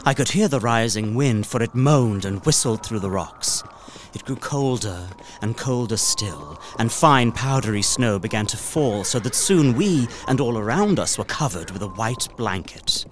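An actor playing an earnest, uneasy gentleman traveller, narrating his journal in a deliberate, literary gothic drama style. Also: mid-range voice, a little hiss or hum, close to an everyday voice. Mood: ominous suspense. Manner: literary, deliberate, expressive storytelling.

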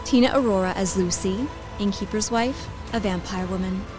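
A woman's voice: mid-range voice, normal speed, music in the background. A woman announcer reading scripted credits for a radio play.

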